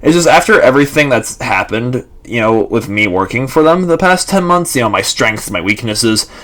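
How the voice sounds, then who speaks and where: A man's voice: mid-range voice, animated, moderate pace, fairly bright tone. A young man in his twenties rambling casually to camera, full of fillers and restarts. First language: Lithuanian and English bilingual. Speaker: vlogger.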